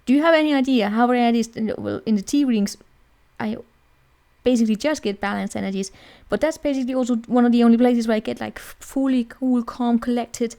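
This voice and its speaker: Woman rambling thru a tarot reading, kinda high voice, keeps saying right?. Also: fast, warm tone. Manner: chatty, rambling, often asks "right?". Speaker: tarot reader.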